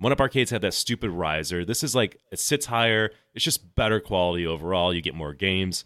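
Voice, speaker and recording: A man's very deep, low voice, bright and sharp in tone, very fast with hardly any pauses and lively intonation, on a very clean recording with a silent background. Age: 40s. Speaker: pinball podcast co-host. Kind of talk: casual chat.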